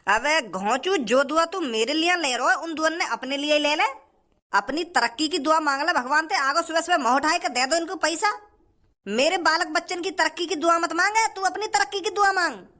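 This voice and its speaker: A man's voice: very high voice, moderate pace, sharp tone. A man voicing a stingy, rude male shopkeeper. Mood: scornful. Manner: scornful, rustic dialect.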